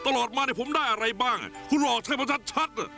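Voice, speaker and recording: A man dubbing a Thai TV drama, playing an indignant young man who loudly accuses a ghost of tricking him. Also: very high-pitched, fast, soft background music, exaggerated voice. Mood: furious. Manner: loud, accusing, stubborn.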